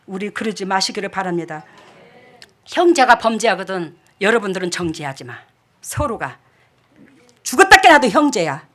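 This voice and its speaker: A woman pastor preaching a sermon, scolding and emphatic, jumping between loud outbursts and quiet asides. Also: medium pitch, big pitch swings, normal speed, long pauses.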